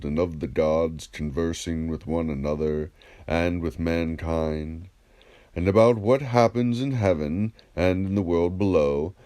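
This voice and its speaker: A man's voice: low-pitched, dark tone. A man voicing a wise, courteous philosopher who questions patiently and methodically in an audiobook dialogue. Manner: measured, polite, methodical questioning.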